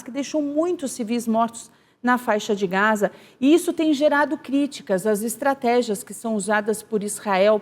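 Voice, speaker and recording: A woman's voice: on the high side, a little mellow. A woman news anchor presenting and interviewing a guest in a formal, polished manner.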